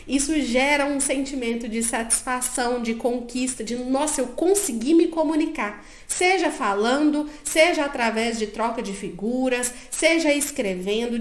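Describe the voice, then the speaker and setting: A woman psychologist, giving step-by-step advice to parents and often checking that the listener is following. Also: high-pitched. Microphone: own microphone. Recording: echoey room.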